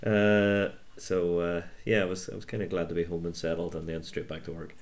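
A man's voice: low-pitched, level tone, fairly quick. A Northern Irish man in casual podcast chat, talking hesitantly with many ums and uhs. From Northern Ireland. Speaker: podcast co-host.

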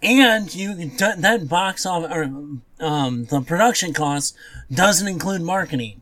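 A man co-hosting a podcast in casual movie chat, often pausing and correcting himself as he goes. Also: high voice, expressive, fairly bright tone. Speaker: podcast co-host.

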